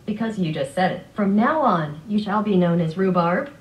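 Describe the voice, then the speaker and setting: A woman's voice: medium pitch, lively intonation, moderate pace, lightly acted. A woman voicing an upbeat virtual assistant hosting a game show in a playful, bubbly announcer style. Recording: roomy smart speaker playback, noise.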